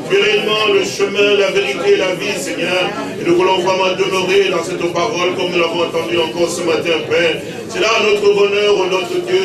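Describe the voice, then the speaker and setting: A man talks at a moderate speed while loud noise fills the background. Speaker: preacher leading prayer. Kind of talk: public prayer. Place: church.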